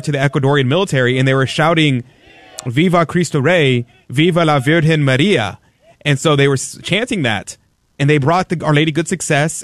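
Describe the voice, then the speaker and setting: Male talk radio host, mid pitch, dry studio sound, emphatic and indignant. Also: dry recording. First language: English. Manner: emphatic, indignant, rhetorical questions. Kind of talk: opinionated talk radio commentary.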